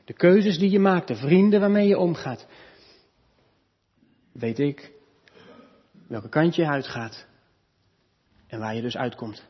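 A man delivers a sermon with an earnest, teaching manner, his somewhat high voice a little husky. He lifts his voice to stress key points and lets phrases sink quietly. The sound is dull and lo-fi, with a long church reverb behind it. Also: slow, long pauses. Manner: earnest teaching, rising emphatic on key points, dropping soft at ends. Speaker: preacher.

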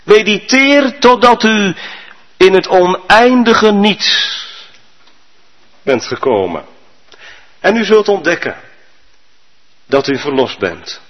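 A preacher voicing a serene older spiritual teacher who calmly advises meditation, in a reverberant church. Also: male voice, high voice, takes it slowly, long pauses, voice pushed up, full character voice.

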